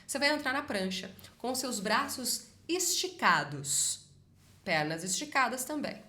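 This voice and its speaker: A woman speech therapist leads a voice exercise lesson, speaking directly to the viewer with brisk, encouraging energy. Her voice sits in a middle pitch, and she coaches in short, firm instructions. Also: pushed and bright.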